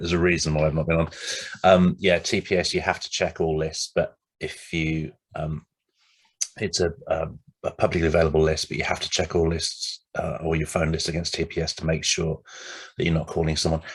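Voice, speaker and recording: Doing a put-on character voice, a man speaks in a croaky, very deep, low pitch at a fairly quick pace with monotone, flat intonation. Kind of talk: professional, explanatory.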